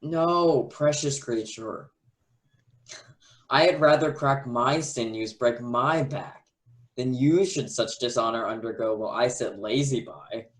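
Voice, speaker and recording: A man's voice: mid-range voice, unhurried, close to an everyday voice. A man playing a humble, devoted young prince in love, declaiming courtly verse in a Shakespearean radio play. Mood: gallant.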